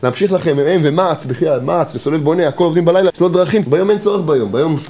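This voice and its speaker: A man giving a Hasidic Torah lesson, emphatic and repetitive, with rhetorical questions and touches of humor. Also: a little high. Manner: lively, mixes in humor. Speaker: Torah teacher.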